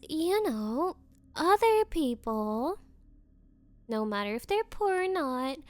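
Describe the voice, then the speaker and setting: Bratty rich popular girl played by a woman, high voice, slow condescending drawl, smug and possessive, anime ASMR roleplay. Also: a little mellow, no echo. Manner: condescending valley-girl drawl with coy pauses.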